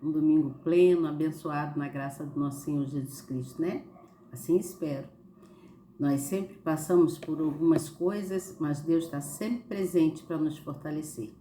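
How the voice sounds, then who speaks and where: Low-voiced Brazilian woman with a slight cold. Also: unhurried, dark tone. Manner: conversational, frequent check-in tags. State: slight cold with occasional cough. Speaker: host of a Bible study channel. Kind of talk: informal devotional Bible teaching. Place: living room at home. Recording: roomy echo, faint background noise.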